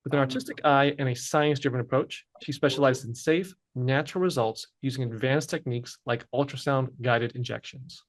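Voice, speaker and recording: Guy hosting a podcast, mid pitch, steady, reads intro then asks stuff. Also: fairly quick, few pauses. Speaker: podcast host. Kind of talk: interview hosting.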